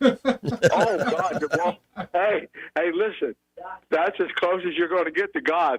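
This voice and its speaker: A man speaks at a fairly slow pace in a high voice, the sound dry and close with no echo. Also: ordinary pitch variation. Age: 80s+. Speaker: elderly radio listener. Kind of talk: call-in chat. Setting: phone call. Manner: halting, repetitive.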